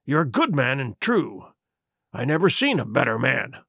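A man's voice: medium pitch, very animated, moderate pace, fairly bright tone, dry recording, studio quality, pitched below the performer's own voice, exaggerated voice. A man putting on a wheedling old pirate. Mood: earnest. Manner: rough sailor's dialect, wheedling. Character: cunning weathered male pirate, old sea cook.

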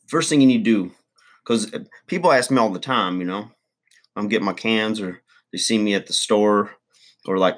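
A man's voice: fairly low pitch, fairly bright tone, natural voice. A man playing a crude, boastful middle-aged redneck uncle, rambling folksy advice in a comedy monologue.

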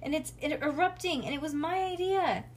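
A woman voicing a dramatic, whiny young girl who complains loudly in a storybook reading. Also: sits high, big pitch swings, very slow, slight background noise, pitched above the performer's own voice, full character voice. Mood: grumpy pleading. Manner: yelling, hollering, grumpy complaining.

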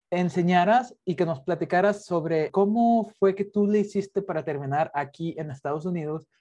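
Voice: medium pitch, mellow. A podcast host talking in a friendly, teasing, chatty way while interviewing a guest over a video call. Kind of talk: casual interview chat. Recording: slightly dull, lo-fi audio.

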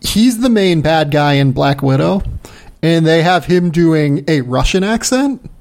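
A man's voice: fairly high pitch, expressive, measured pace, darkish tone. A man hosting a podcast in casual chat, talking loosely and repeating words. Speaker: podcast host.

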